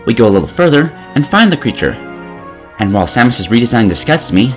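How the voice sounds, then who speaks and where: A man's voice: mid-range voice, very animated, fast talker, faint music behind. A man narrating a scripted comedic game review in an exasperated, sarcastic way.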